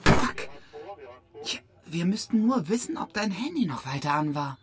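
An actress playing a cool, defensive camp leader, dismissive and argumentative, in a radio crime drama. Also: female voice, lowish voice, very animated, normal speed. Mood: dry, impatient.

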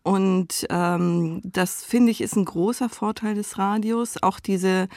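A woman's voice: mid-range voice, steady tone, slow pace, darkish tone, dry recording. Thoughtful woman guest, dry studio sound. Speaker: interview guest. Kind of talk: conversational, reflective interview answers.

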